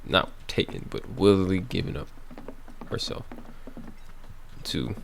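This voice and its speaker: A man's voice: low-pitched, unhurried, vocal fry, slight background noise. A man giving casual, slangy, grumbling commentary as he plays through a video game. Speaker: gaming video host. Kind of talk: casual blind playthrough commentary. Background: video game audio.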